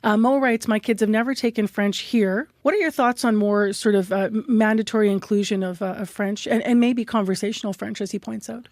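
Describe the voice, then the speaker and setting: A woman radio host interviewing a guest and reading out listener comments in a measured, conversational way with soft "um"s. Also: mid-range voice, fairly even intonation, no echo, clean studio sound.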